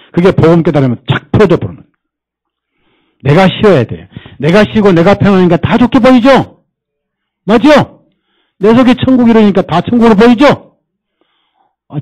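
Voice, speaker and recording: Lively, higher-voiced male pastor preaching. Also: poor audio. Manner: animated, quizzes the congregation with rhetorical questions; mimics people and jokes to make points. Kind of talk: sermon. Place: church service.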